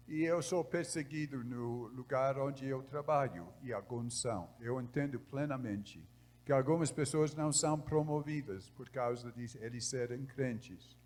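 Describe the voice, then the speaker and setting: Slow-speaking missionary preacher in a hall. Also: male voice, fairly high pitch. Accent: Brazilian Northeastern Portuguese, as a foreign speaker. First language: English. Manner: slow, measured preaching that grows louder when reading scripture. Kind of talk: sermon. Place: large church hall. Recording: reverberant church hall.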